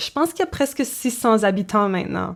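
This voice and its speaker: A woman talks with ordinary pitch variation, and the recording is very clean with a silent background. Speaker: folk singer-songwriter. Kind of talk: interview, conversational. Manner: hesitant, many fillers and repetitions.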